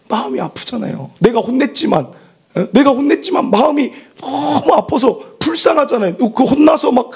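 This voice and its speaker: A man's voice: very high-pitched, slightly rough. A man in his thirties preaching a sermon as pastor, asking the congregation questions and building to impassioned peaks.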